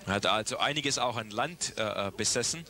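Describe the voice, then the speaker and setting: Bright-voiced male sermon interpreter. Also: lowish voice. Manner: translating in quick bursts, with restarts.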